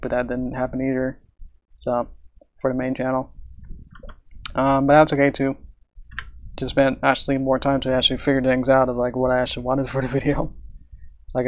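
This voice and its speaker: A man at mid pitch chats through a live stream while he works on an animation. He rambles with plenty of fillers and soft chuckles, and sounds a little tired and winded. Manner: rambling, hesitant, many fillers and soft laughs. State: tired, slightly out of breath.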